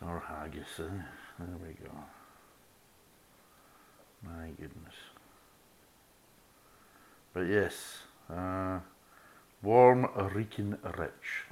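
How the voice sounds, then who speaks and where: A middle-aged Scotsman hosts a beer review podcast in casual chat, his low voice creaky and darkish, with slight background noise. He's chatty, swears freely, and laughs at his own jokes.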